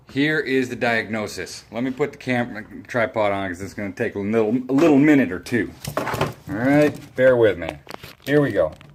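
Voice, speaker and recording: A male voice at medium pitch comes through with noticeable background noise around it. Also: ordinary pitch variation, moderate pace. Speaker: home mechanic vlogger. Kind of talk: casual vlog talk. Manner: halting.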